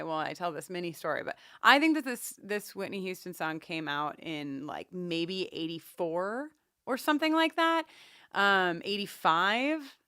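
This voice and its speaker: Bright, clear-voiced woman podcast co-host. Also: medium pitch, dry recording, studio quality. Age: 40s. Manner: animated, digressive, enthusiastic. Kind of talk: casual chatty storytelling and banter.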